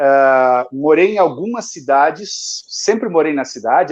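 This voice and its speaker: Against a quiet background, a man speaks at a fairly high pitch with lively intonation. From Rio Grande do Sul, Brazil (Lajeado). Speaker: singer-songwriter and literature teacher. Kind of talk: live interview conversation. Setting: online live stream with delay. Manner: hesitant, many fillers and repetitions.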